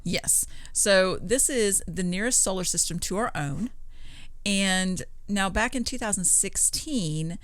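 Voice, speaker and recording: A woman's voice: mid-range voice, animated, slow pace, a bit bright, no echo. A woman co-hosting a podcast, chatting casually and agreeably as she discusses news items. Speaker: podcast co-host, news reader.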